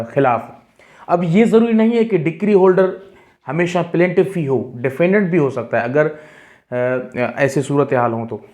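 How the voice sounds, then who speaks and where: A man's voice: on the high side, darkish tone. A man with a South Asian accent lecturing as a teacher, explaining in a didactic way, repeating key phrases and mixing in English terms. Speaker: law teacher. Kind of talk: exam-prep lecture, explaining and reading out definitions.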